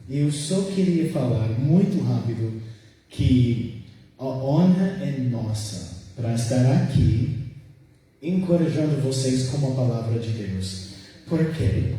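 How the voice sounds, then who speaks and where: A man with an American accent, a native English speaker, preaching a sermon and reading scripture in slow, careful, halting speech, recorded from far off in a church sanctuary. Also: mid-range voice, mellow. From United States. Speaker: guest preacher. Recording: echoey church hall from far off.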